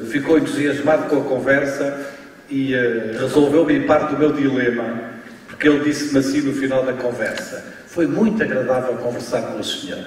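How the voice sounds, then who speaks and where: Portuguese man lecturing in an echoey hall. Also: mid-range voice. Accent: European Portuguese. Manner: deliberately slow, emphatic delivery with frequent tag questions. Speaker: guest lecturer. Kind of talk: university lecture. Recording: distant, echoey hall recording with faint ambience.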